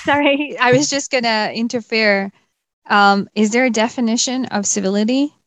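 A woman's voice: fairly high pitch, normal speed, fairly bright tone, dry recording. A woman co-host from Pakistan talking in a casual panel discussion, hesitant with fillers and restarts. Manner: hesitant, many fillers and restarts, laughs often. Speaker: podcast co-host.

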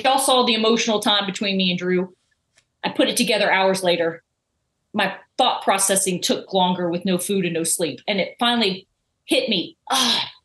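Give me an animated woman in an interview, high and bouncy voice. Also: echoey room, poor audio. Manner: animated storyteller, acts out quoted dialogue. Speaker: eliminated contestant guest. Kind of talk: casual exit interview.

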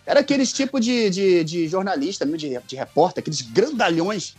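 A Brazilian man in his forties chatting casually as a guest, telling personal stories in an animated, jokey, colloquial way. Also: sits high, normal speed, breathy edge, dry recording, faint music behind. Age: 40s. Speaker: podcast guest.

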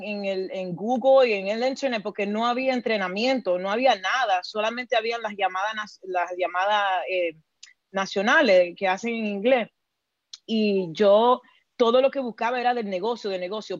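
A woman with a Dominican accent speaks earnestly as a coach in an interview, often restarting phrases. Her voice comes through a dull, lo-fi recording in a dry space with no room echo. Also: mid-range voice. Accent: Dominican Spanish. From Dominican Republic. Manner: earnest, repeats words, slips into English. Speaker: guest, team coach. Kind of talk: casual interview answers.

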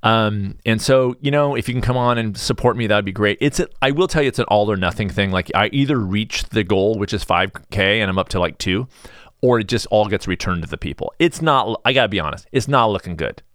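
A man's voice: lowish voice, fairly quick, fairly bright tone, no room sound, clean studio sound. A man hosting a solo podcast, talking in a sarcastic, exasperated, rambling way. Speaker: podcast host. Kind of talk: casual solo podcast rant.

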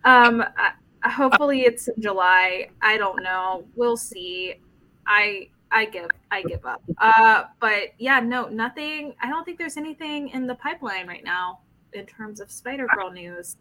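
A woman's voice: a little high, animated, a little slow, background noise. A woman co-hosting a casual comics podcast, tired and emotionally drained, candid and frank, often trailing off. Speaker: podcast co-host. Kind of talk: casual live-streamed comics podcast chat.

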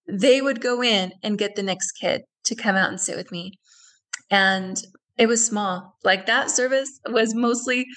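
A woman's voice: a little high, fairly bright tone, poor audio. A woman guest in a radio interview who tells a personal story earnestly and reflectively, often repeating phrases.

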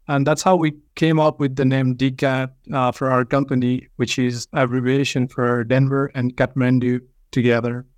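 A man from Nepal, an engineering firm president, answering interview questions in measured, slightly formal phrasing. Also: mid-range voice, smooth, dry recording.

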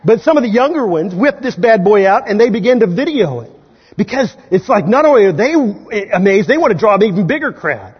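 A man from Kansas preaching from the pulpit in a high, slightly husky voice. He keeps the sermon conversational and often tosses a "right?" out to the congregation. The sound carries the long reverb of a large sanctuary and the dull, lo-fi tone of a livestream. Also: sing-song, brisk. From Kansas, USA. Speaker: pastor. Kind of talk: Easter sermon.

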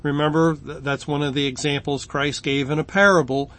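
A middle-aged man teaching through Bible verses in an unhurried, halting way, often restarting words and pausing with fillers. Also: a little high, little pitch movement, a bit bright. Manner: slow, halting delivery with frequent restarts and fillers.

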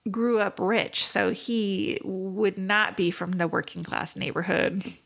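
A woman's voice: medium pitch, slow pace, vocal fry, a bit bright. A woman co-hosting a podcast in casual, chatty banter, often giggling as she talks. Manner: giggly, laughs readily while talking. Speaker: podcast co-host.

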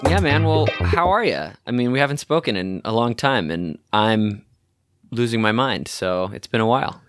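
A man's voice: medium pitch, lively intonation, moderate pace, loud music behind the voice. A man co-hosting a podcast in casual chat, bantering and self-deprecating. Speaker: podcast co-host.

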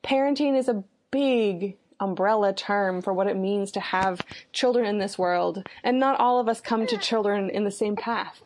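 An American woman introducing a podcast conversation in a reflective, explanatory way as its host. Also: mid-range voice. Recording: clear background noise with clicks.

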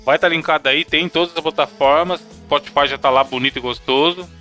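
A man's voice: fairly high pitch, steady tone, fast talker, sharp tone, soft background music. A man co-hosting a podcast, chatting casually in a slangy, jokey way. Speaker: podcast co-host.

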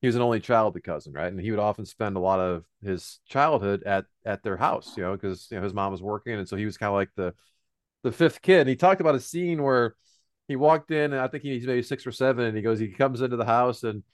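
A man's voice: lowish voice, quick pace, no room sound, clean studio sound. A man co-hosting a business talk show, rambling through stories and advice in a casual, conversational way. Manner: rambling, storytelling, often repeats a cohost's name. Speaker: business podcast co-host.

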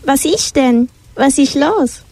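A woman's voice: sits high, animated, takes it slowly, gravelly, darkish tone, no echo, full character voice. A teenage girl voicing a cautious young unicorn in a school radio play, speaking in a wary, doubtful way. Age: teens.

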